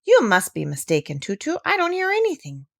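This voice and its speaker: Woman playing a courteous, sceptical gentleman doctor. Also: high-pitched, wildly swooping pitch, a little fast, vocal fry, no room sound, studio quality, voice pushed up, exaggerated voice. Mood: doubting. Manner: courteous, doubting. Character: polite, sceptical gentleman doctor who talks with animals.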